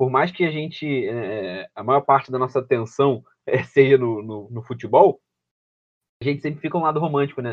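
A man at a medium pitch talks at a moderate pace, with ordinary pitch variation and big swings in loudness. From São Gonçalo, Rio de Janeiro, Brazil. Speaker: podcast host. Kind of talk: casual chat. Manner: halting.

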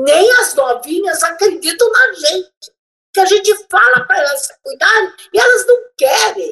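A woman speaks in a raised, projected voice at an extremely high pitch with a bright, sharp tone. Her pitch swings are very wide and her pace fairly slow. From Portugal, Leiria region, moved to Brazil at seven. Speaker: gynecologist. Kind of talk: interview.

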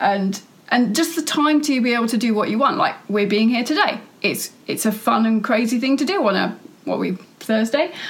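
Over noticeable background noise, a woman talks at a moderate pace in a fairly high pitch with very even loudness. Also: ordinary pitch variation. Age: 40s. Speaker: property investor. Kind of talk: interview.

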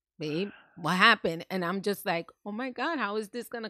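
With an American accent, a woman talks at a moderate pace with very wide pitch swings and vocal fry, recorded dry and close with no echo. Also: quiet background. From New York City. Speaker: grandmother and lifestyle blogger. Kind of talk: casual interview. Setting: studio, sitting next to host.

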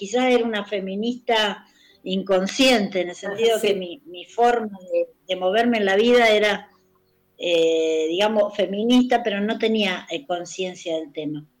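With a normal speaking voice, a woman at medium pitch speaks at a moderate pace with ordinary pitch variation. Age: 60s. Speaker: dancer and choreographer. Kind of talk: interview.

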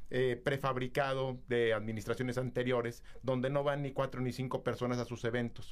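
Talking at a fairly quick pace with hardly any pauses, a man holds a medium pitch in a monotone, flat delivery. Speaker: president of a merchants' association. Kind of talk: radio interview.

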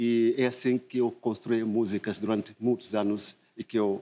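A man with a fairly low pitch and an ordinary speaking voice at a moderate pace, on a very clean recording with a silent background. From Guinea-Bissau. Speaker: musician. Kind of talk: interview.

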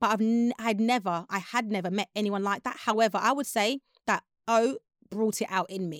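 A woman with a London accent talks at a fairly quick pace with fairly even intonation and a fairly high pitch, recorded with a dry, close sound and no echo. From London, England (Ghanaian family). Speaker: podcast guest, friend of host. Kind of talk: casual chat. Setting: remote call.

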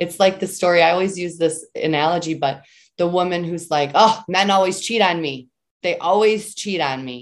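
Speaking with a Michigan accent, a woman uses a fairly low pitch with ordinary pitch variation. She keeps a moderate pace against a quiet background. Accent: Michigan (Inland North) American. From Southeastern Michigan. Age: 40s. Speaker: real estate agent and business coach. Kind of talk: casual interview chat.

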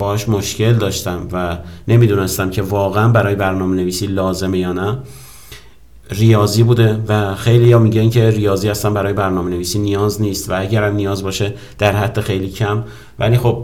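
Against audible room echo, a man talks at a fairly quick pace in a fairly low pitch with monotone, flat intonation. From Iran, Sarab (East Azerbaijan). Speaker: podcast host, software engineer. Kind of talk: personal monologue.

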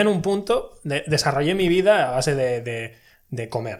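Pitched fairly high, a man speaks with very wide pitch swings. His pace is moderate. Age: 20s. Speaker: cook. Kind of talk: casual chat.

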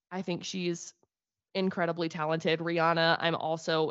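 A woman speaks in an ordinary speaking voice. Her pitch sits fairly low. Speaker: radio host. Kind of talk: casual chat. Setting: video call.

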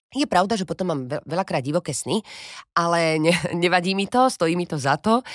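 Speaking at a fairly quick pace, a woman with a fairly low pitch has an animated tone and lively intonation. The recording is very clean with a silent background and a dry, close sound with no echo. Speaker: actress. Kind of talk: interview.

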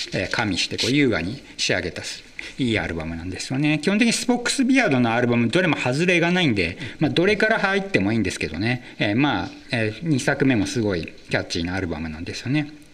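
A man speaks at a very fast pace in a medium pitch, his voice swinging very widely up and down over noticeable background noise. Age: 50s. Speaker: podcast host, music expert. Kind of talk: casual chat.

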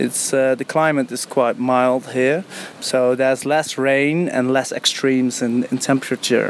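A man with a Dutch accent speaks fairly slowly at medium pitch in a monotone, flat way, with noticeable background noise. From Netherlands. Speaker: software developer. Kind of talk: casual chat. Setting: outdoors at a beach bar.

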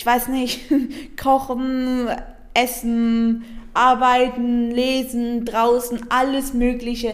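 A woman's high voice at a very slow pace, monotone and flat, with big swings in loudness and audible room echo. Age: young. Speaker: podcaster. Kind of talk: casual chat.

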